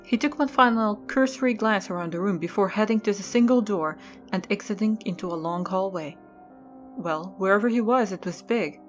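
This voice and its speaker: A woman narrator reads scripted story prose for an audio drama. Her voice sits at a medium pitch, with faint music playing underneath. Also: normal speed.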